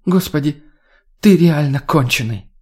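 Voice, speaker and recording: Guy doing a cranky young woman, higher voice, snapping and cussing. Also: lively intonation, unhurried, a little mellow, slightly rough. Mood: annoyed. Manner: snapping, swearing. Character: irritable sharp-tongued young woman.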